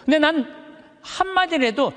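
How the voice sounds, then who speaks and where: High, full-voiced male priest in a reverberant hall. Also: expressive, normal speed, fairly bright tone. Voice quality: high but thick, full voice that carries. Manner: emphatic, uses rhetorical questions and stretched words for effect. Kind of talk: animated motivational sermon to a live audience. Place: large hall, speaking to an audience.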